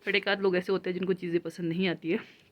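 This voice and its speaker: A young woman from Kinnaur, India, chatting to her phone camera as she walks around her snowy home. Her voice sits a little low for a woman. She talks quickly and without pause, a touch out of breath. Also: level tone, muffled recording. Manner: fast, nonstop chatty talk, slightly out of breath. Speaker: vlogger. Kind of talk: casual vlog talk to camera. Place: home in heavy snowfall, moving indoors and out. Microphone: handheld phone.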